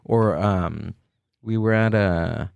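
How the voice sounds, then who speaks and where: Low, gravelly man hosting a podcast. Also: slow, a little mellow, no room sound, lo-fi sound. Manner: easygoing, says "dude". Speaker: podcast host. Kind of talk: casual chat.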